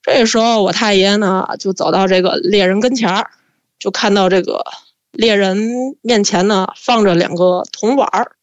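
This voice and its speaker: A woman telling a spooky family story in a lively, chatty way, drawing out her fillers. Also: medium pitch, normal speed, no echo. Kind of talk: casual spoken storytelling.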